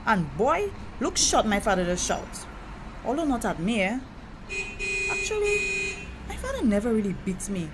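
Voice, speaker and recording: A woman's voice: on the high side, very animated, normal speed, long pauses. A woman with a Caribbean accent playing a proud, wounded young gay woman in a conversational audio drama, emphatic and indignant. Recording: noticeable background noise.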